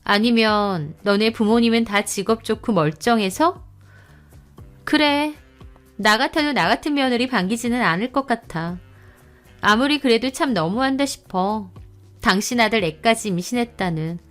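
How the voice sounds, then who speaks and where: A woman playing a brazen young woman who talks cool and pushy, with no shame at all. Her voice sits a little higher than the storyteller's own. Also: lively intonation, moderate pace, soft background music, natural voice.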